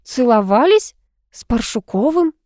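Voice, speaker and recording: A woman's voice: on the high side, lively intonation, moderate pace, a little mellow, no echo, voice pushed up, natural voice. Curious, eager young student girl, read by a woman, dry close read. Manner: eager, questioning.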